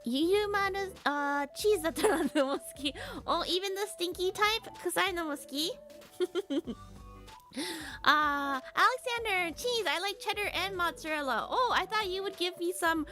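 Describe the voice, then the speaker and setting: A woman live streamer chatting casually and switching between languages. She speaks slow, simple English for learners and reads out viewers' names in an upbeat, giggly way. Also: very high-pitched, pushed and bright, faint music behind.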